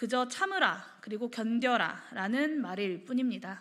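A high-pitched woman with lively intonation at a fairly slow pace, against a quiet background. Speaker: politician. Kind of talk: press conference statement. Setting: press briefing room. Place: hall.

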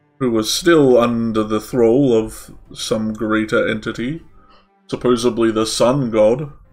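A man talks at a very slow pace. Faint music plays in the background. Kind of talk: recap narration. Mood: playful, amused. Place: home room.

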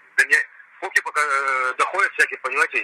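A man at a very fast pace, in a dry sound with no echo. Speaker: interviewee. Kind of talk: interview answer.

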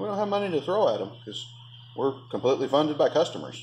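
A man speaks at a very fast pace with vocal fry. Light background noise sits underneath. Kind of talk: casual vlog chat. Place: garage.

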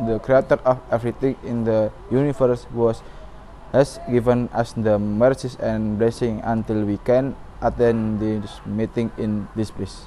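A man speaks with an Indonesian accent at a moderate pace. His pitch is medium, his intonation fairly even, and there is light background noise. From East Java, Indonesia. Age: 20s. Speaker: student. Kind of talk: scripted class speech read aloud. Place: street. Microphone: phone near.

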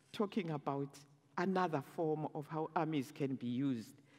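A woman speaks with a Zimbabwean accent. Her pace is moderate. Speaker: politician and peace activist. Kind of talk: panel talk. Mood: earnest, warm. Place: hall. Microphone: headset.

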